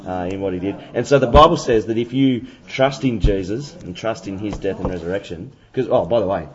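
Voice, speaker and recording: Fast-talking preachy guy hosting, jokey, muffled lo-fi audio. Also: lowish voice. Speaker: host. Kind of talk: playful gospel chat with a band. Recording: dull lo-fi audio.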